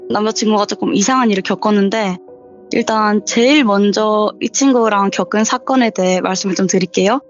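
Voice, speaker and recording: A young woman in her twenties, a viewer calling in over a voice call, tells a true scary story in a chatty, casual way and acts out what people said. Her voice is medium-pitched and the recording sounds muffled.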